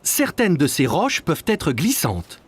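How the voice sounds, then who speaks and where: Slow, lilting, gentle cartoon dad. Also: male voice, a little high, wildly swooping pitch, slight background noise. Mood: reassuring. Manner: patient, cheerful, soothing explaining. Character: gentle, reassuring, encouraging young father. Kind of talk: children's cartoon dub.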